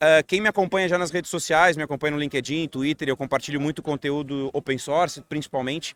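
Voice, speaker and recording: Fairly high in pitch, a man speaks in a Porto Alegre accent at a fairly quick pace. His intonation is fairly even, and the sound is dry and close with no echo. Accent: Porto Alegre accent, kept. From southern Brazil, Porto Alegre. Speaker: security researcher. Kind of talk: casual podcast chat. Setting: studio at a conference.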